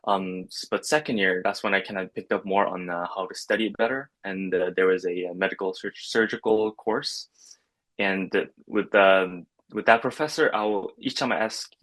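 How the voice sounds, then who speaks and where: A man's voice: sits low, normal speed, fairly bright tone, low-quality recording. A young man, a nursing student, answering hesitantly with many fillers on a video call from a bedroom. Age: young adult. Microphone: video call webcam.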